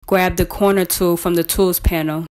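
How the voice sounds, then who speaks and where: Even, clear woman narrating a tutorial. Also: lowish voice, moderate pace. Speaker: tutorial presenter. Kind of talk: scripted step-by-step software tutorial narration.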